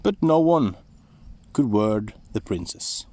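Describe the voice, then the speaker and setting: Slow, animated storyteller. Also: male voice, on the low side, no echo. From Norway. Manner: lively, expressive storytelling with non-native phrasing. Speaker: storyteller, channel host. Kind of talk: fairy tale narration.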